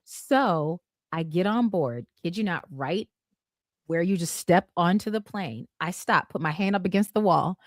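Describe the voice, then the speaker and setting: Animated middle-aged woman telling a story. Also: lowish voice, unhurried, no room sound, clean studio sound. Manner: animated, vivid retelling with bursts of excitement. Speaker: guest storyteller. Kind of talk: casual podcast storytelling.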